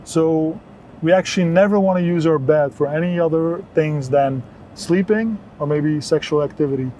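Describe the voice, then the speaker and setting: Higher-voiced mellow man from Belgium, explaining earnestly. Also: normal speed, slight background noise, rough recording. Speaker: interview guest, wellness entrepreneur. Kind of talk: conversational health advice.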